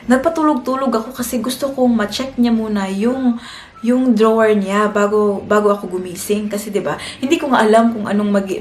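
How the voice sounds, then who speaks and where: A young Filipina woman telling a personal story in a chatty vlog, often turning to her viewers. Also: medium pitch. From Philippines. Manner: chatty, keeps addressing viewers as guys. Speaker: family vlogger. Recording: echoey room with faint music.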